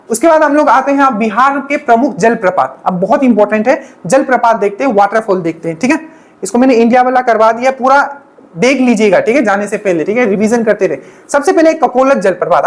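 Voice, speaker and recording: A woman teaching an exam-prep lesson, repeating each memory trick and checking in with the class again and again. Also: on the high side. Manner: repetitive drilling, frequent checking-in asides.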